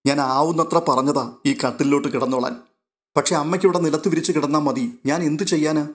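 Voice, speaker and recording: A man voicing a caring young woman, gently firm, his voice raised a little as he reads her lines in a storybook reading. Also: fairly high pitch, fairly even intonation, fast talker, lightly acted. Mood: coaxing.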